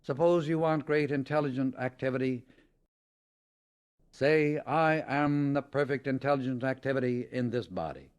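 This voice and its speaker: Male audiobook narrator, medium pitch, scripted spiritual reading, measured and emphatic, instructive. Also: darkish tone, clean tone.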